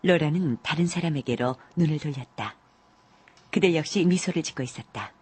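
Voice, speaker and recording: Husky woman narrating an audiobook. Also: deep voice. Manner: measured, calm.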